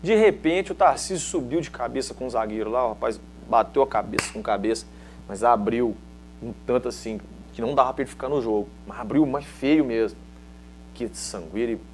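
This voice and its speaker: A man's voice: medium pitch, fairly quick, a little hiss or hum. A middle-aged man from Minas Gerais with a Mineiro accent, a former footballer telling anecdotes in a casual interview and acting out other people's lines. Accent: Mineiro Brazilian Portuguese. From Minas Gerais, Brazil. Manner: lively storyteller who acts out other people's lines.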